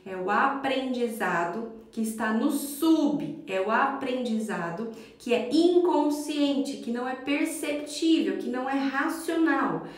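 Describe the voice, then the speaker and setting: A woman in her thirties, a parenting educator, giving a lively instructional talk on a live stream and acting out yelling parents and children. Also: on the high side, very echoey.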